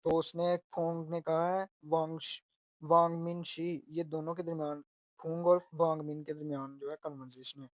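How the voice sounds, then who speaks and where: A man's voice: on the high side, flat delivery, moderate pace, dry recording. A man teaching Korean, patiently explaining phrases word by word. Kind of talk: explaining Korean exam lessons.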